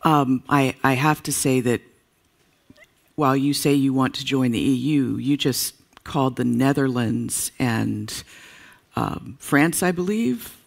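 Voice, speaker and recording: A man moderating a panel on a conference stage, pressing his questions with halting restarts. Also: medium pitch, vocal fry.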